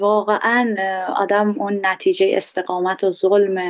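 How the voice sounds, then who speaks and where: A woman talks at a very slow pace in a monotone, flat intonation. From Iran. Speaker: painter. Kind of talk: interview.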